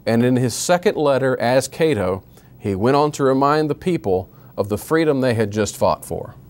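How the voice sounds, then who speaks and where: A man delivers a history lecture at a measured pace, reading period quotations with rhetorical emphasis and restarting a few times. His voice is medium-pitched and expressive.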